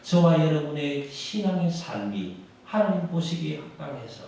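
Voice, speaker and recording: A male Korean pastor preaching a sermon in an emphatic, rousing way with dramatic pauses, in a large church sanctuary. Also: on the high side, animated, vocal fry, warm tone, a little hiss or hum. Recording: echoey hall from far off.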